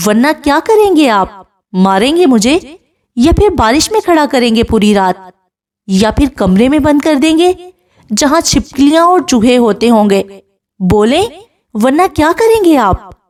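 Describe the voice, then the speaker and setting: A woman voicing a young wife who answers her husband with sharp, angry retorts, in a dramatic novel reading. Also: high-pitched, animated, voice pushed up. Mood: furious. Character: young wife, furious and defiant.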